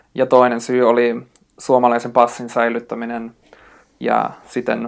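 A man talks at a fairly slow pace. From Spain. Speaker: mountaineer and hiker. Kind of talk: casual interview. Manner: halting.

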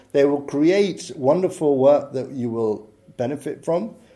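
The voice has a dark, mellow tone and lively intonation, speaking at a moderate pace with a British accent. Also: man. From Britain. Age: 50s. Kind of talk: interview.

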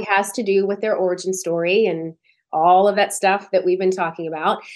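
A woman talks with a Southern US accent. Her pitch is medium and her pace moderate. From US South, small-town Tennessee. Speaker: branding and visibility coach. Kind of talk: interview.

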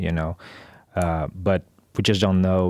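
At a fairly slow pace, a man speaks with a very deep, low pitch. The recording is very clean and dry, close with no echo and a silent background. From Belgium. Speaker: electronic music producer. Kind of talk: casual chat. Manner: halting.

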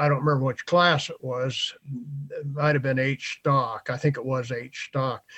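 Talking at a moderate pace, a man with an American accent has a fairly high pitch. His intonation is monotone and flat. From US Northwest (Idaho). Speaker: veteran drag racer. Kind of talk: interview.

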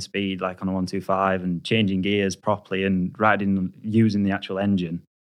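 Talking at a fairly quick pace, a man with an English accent uses a fairly low pitch and monotone, flat intonation. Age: 20s. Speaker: motocross rider. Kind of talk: casual chat.

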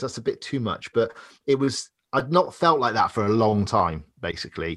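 In a very clean recording with a silent background, a man with a British accent speaks at a moderate pace in a medium pitch, his pitch swinging very widely. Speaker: laughter yoga leader. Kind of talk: casual interview chat. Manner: animated, laughing often.

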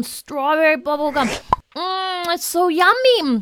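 Using a put-on character voice at an extremely high pitch, a woman speaks at a fairly slow pace. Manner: chewing gum with mouth open.

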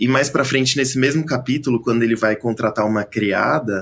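This man has an ordinary speaking voice at medium pitch. He talks at a moderate pace. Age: 30s. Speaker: book editor. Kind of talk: casual chat.

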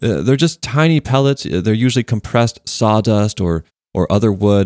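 A man with an American accent uses a normal speaking voice at a fairly low pitch and moderate pace, with ordinary pitch variation. The recording is very clean with a silent background, dry and close with no echo. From US South, Georgia. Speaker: podcast co-host. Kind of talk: casual discussion podcast.

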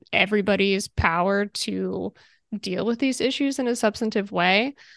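In a dry, close sound with no echo and a quiet background, a woman with an American accent talks at a fairly slow pace in a normal speaking voice, medium pitched with ordinary pitch variation. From US Northeast, New Jersey. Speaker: editor and writer. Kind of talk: casual interview chat.

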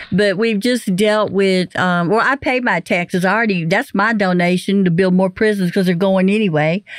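A woman with a normal speaking voice talks at medium pitch with fairly even intonation and very even loudness. There are hardly any pauses, and the sound is dry and close with no echo. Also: moderate pace. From Texas, Beaumont area. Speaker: youth program founder. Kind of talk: casual interview.

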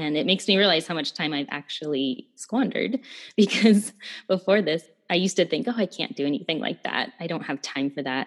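A woman with a General American accent talks at a fairly quick pace with a fairly low pitch and lively intonation, over a quiet background. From Colorado. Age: 30s. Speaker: podcaster and homeschooling mother. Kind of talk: casual interview. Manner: animated.

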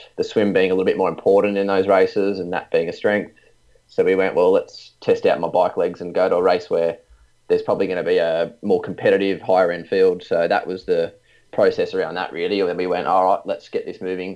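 A man talking at a very fast pace with an Australian accent. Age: 20s. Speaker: professional triathlete. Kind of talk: interview.

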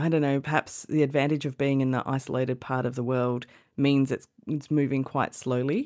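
At a moderate pace, a woman with an Australian accent speaks in a very deep, low voice. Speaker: travel blogger and podcaster. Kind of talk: casual chat. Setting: remote recording.

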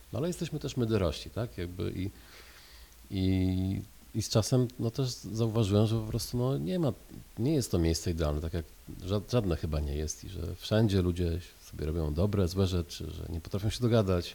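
This man has a very deep, low voice with a dark, mellow tone, lively intonation and a somewhat breathy quality. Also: moderate pace. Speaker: teacher and author. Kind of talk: interview. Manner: halting.

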